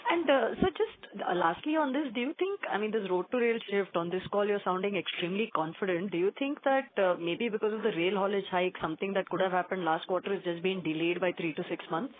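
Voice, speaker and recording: A woman's voice: medium pitch, lively intonation, a little fast, hardly any pauses. A woman, politely asking questions as an analyst on a conference call. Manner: polite, addresses executive as sir. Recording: narrow phone line.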